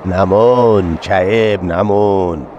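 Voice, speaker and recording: A man's voice: low voice, highs cut off, noisy background. A man voicing an eerie metallic-voiced coachman. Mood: flat. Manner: very slow, flat and gravelly.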